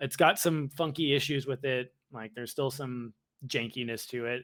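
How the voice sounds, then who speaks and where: An unremarkable speaking voice moves at a moderate pace. The recording is very clean, with a silent background. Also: man. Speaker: podcast co-host, gamer. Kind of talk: casual chat.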